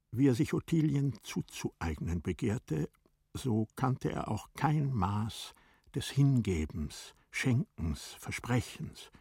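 Guy narrating a classic novel radio play, husky low voice, very dry close sound, measured. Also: dry recording.

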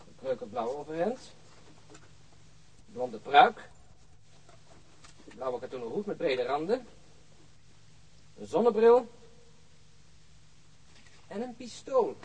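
An actor playing a low-key, wary detective in a radio drama, speaking in a subdued, matter-of-fact mutter. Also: male voice, darkish tone, slightly rough, heavily acted, poor audio. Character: low-key, wary male police detective searching a flat.

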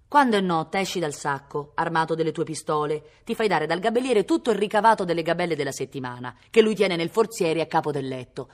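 A woman voicing rough young men who bully a bandit, insistent and taunting. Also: sits low, brisk, few pauses, close to an everyday voice.

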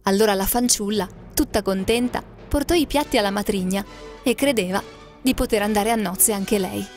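A woman narrating a fairy tale aloud in a lilting, expressive storybook manner. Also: mid-range voice, moderate pace, faint music behind.

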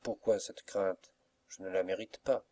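Soft-spoken, mysterious young suitor, respectful; a man reads him in a low voice. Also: steady tone, unhurried. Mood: gentle.

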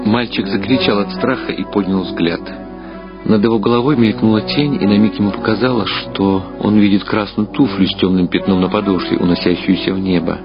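A male narrator with a lowish voice reading a story in a measured, somber tone. The old radio recording sounds dull and muffled. Loud music plays underneath. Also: steady tone.

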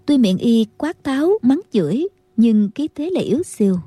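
A woman narrating a martial-arts novel as an audiobook, in a steady storytelling manner. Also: a little high, moderate pace, breathy edge, no echo.

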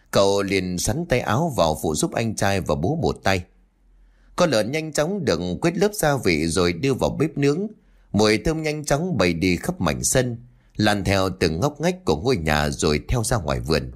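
Male narrator, dramatic, lively in pitch. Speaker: storyteller. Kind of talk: scripted story narration.

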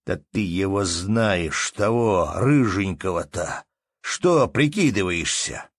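Guy doing a chunky fired-up peasant, lowish, slow and firm. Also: animated, no room sound, clean studio sound, heavily acted. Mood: heated. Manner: firm, rustic speech. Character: stout middle-aged peasant man, fiery.

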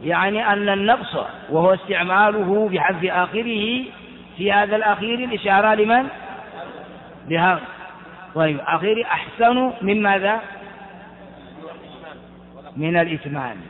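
High-voiced guy teaching grammar, slow, keeps asking the class stuff then answering it, tinny phone-ish sound in a big echoey hall. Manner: asks the class questions and answers them himself; slow and deliberate, repeating key terms.

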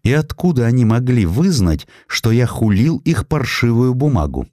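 A man's voice: medium pitch, sing-song, normal speed, a little mellow, no echo, studio quality, voice pushed up. A man voicing a smirking, haughty chief of tsarist gendarmes in an audiobook, with a sneering, imperious manner. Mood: stunned indignation.

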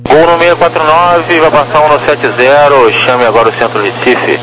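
A man's voice: fairly high pitch, steady tone, moderate pace. A Brazilian man working as an air traffic controller, giving clipped instructions digit by digit over a radio like police dispatch. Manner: reads numbers digit by digit. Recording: noisy radio channel with electrical hum.

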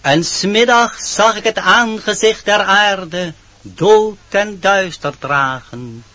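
A proud, disillusioned rooster, declaims verse in a radio drama. The voice is high and slow, bitterly solemn, on a dull, dry recording. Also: male voice, sharp tone, slight background noise, full character voice.

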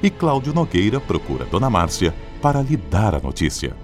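A man's voice: on the low side, sing-song, a little fast. A Brazilian man announcing a radio drama with a scripted, dramatic, declamatory delivery. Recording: music behind the voice.

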